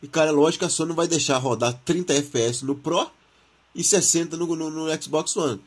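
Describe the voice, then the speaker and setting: Brazilian guy doing casual gaming news, slangy, husky voice, sick w flu and sore throat. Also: fairly high pitch, a little fast. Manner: informal, slangy. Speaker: gaming channel host. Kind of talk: casual gaming news commentary, reading and commenting on an article.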